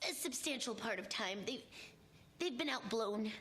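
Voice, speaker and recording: Over light background noise, a woman in a put-on character voice sounds nasal and fairly high, with lively intonation at a moderate pace. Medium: actual play. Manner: rambling, chatty.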